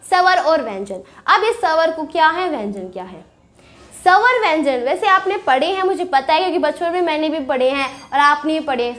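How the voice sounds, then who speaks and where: Indian woman teacher, high voice, bounces around a lot, chatty q and a style. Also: fairly bright tone. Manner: chatty, asks questions and answers them herself. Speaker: Hindi grammar teacher. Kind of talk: casual explanatory lesson.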